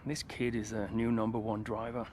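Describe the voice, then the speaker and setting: A man's voice: fairly low pitch, completely flat delivery, normal speed, a little mellow, a little hiss or hum, natural voice. An actor playing a frustrated veteran male racing driver, grumbling and weary, in a video game cutscene. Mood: aggrieved.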